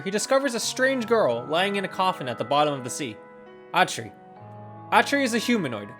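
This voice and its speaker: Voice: medium pitch, a bit bright. A video reviewer reading a scripted first-impressions narration in an enthusiastic, opinionated manner. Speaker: video game reviewer and host. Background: guitar and instrumental music.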